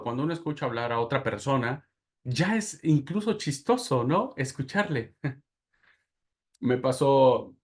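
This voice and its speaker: A man from Mexico with a Mexican Spanish accent, teaching a Bible class and telling anecdotes in a lively lecture manner. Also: mid-range voice. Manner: animated storytelling with laughs and asides.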